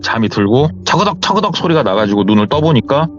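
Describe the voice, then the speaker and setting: A man hosting a horror story radio show, retelling a true tale in an animated, conversational way. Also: mid-range voice, fast talker. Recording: dull lo-fi with faint music.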